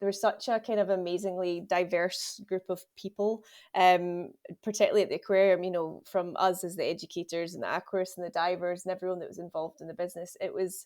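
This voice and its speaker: With a strong Scottish accent, a medium-pitched woman speaks at a fairly quick pace in a flat monotone, her loudness swinging widely, in a very clean recording with a silent background. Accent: broad Scottish. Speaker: conservation educator. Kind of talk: casual interview chat.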